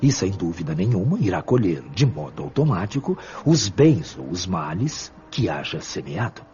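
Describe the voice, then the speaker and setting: An actor playing a wise, benevolent spiritual mentor in a radio drama, speaking in a measured, formal, teaching manner. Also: male voice, low voice, big pitch swings, dull audio. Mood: patient, earnest.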